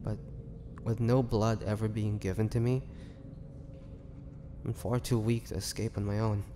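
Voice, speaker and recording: A man playing a weary, bitter young half-vampire prisoner in a dramatic audio roleplay, speaking haltingly and sorrowfully. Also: fairly low pitch, little pitch movement, music in the background, lightly acted. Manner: slow, halting, sorrowful delivery with sighs and pauses. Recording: long hall reverb, faint noise.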